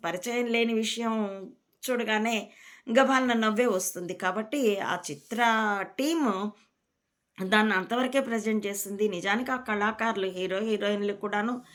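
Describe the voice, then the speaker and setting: A woman from Rayalaseema, a spiritual teacher, giving a calm, reflective discourse to her followers. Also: a little high. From Rayalaseema, India.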